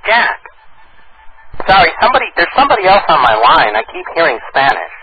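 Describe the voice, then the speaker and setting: A man with a fairly high voice makes deadpan prank calls on a radio show. He teases the people he calls. The recording is dull and lo-fi, with faint noise behind it. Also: brisk. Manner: deadpan, teasing. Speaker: radio host and prank caller. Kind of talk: prank phone call.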